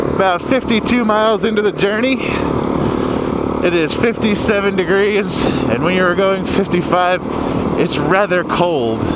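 Very slow speech broken by long, frequent pauses, dry with no echo, under loud background noise. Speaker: motorcycle vlogger. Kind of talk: casual vlog chat. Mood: excited. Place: motorbike. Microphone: helmet.

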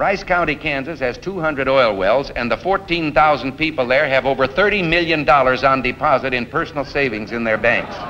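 A man with an American accent speaks at a fairly high pitch and a fairly quick pace, with hardly any pauses. His tone is confident, with ordinary pitch variation and light background noise. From United States. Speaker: politician giving a televised political speech. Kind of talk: televised political speech, persuasive. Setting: 1960s television broadcast recording. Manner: polished, confident, measured, conversational. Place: hall. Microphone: podium.

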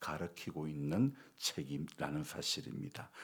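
A man at a very slow pace with very wide pitch swings, in a very clean recording with a silent background. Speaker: pastor. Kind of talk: sermon. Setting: church.

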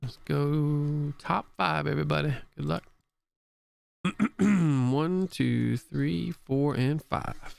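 A man speaks quietly at a very slow pace, with long, frequent pauses. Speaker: sports card break host. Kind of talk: live stream commentary.

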